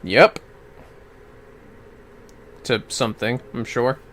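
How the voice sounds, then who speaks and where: A man's voice: mid-range voice, extremely slow, a bit bright. A man livestreaming a video game, chatting casually with reactive, sweary asides.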